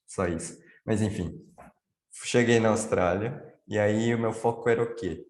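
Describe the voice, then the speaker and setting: A man's voice: fairly low pitch, darkish tone, roomy sound. A man on a video call explaining things at length, answering his own questions as he goes. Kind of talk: live online Q&A chat.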